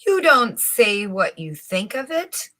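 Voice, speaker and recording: A woman's voice: mid-range voice, big pitch swings, takes it slowly, bright, forceful tone, exaggerated voice. A woman reading a storybook as a sly male swindler weaver, coaxing and falsely polite.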